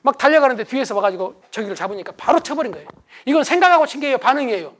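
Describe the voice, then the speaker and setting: A man's voice: very high-pitched, rapid-fire, breathy edge. A middle-aged man giving a motivational lecture to an audience, acting out quarrels in a raised voice. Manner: animated, acts out quarrels in raised voice.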